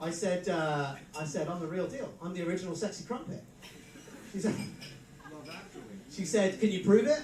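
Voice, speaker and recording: There is noticeable background noise and audible room echo around a man with a high pitch. He keeps a moderate pace with ordinary pitch variation and long, frequent pauses. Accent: British. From England. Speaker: comedian. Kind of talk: stand-up.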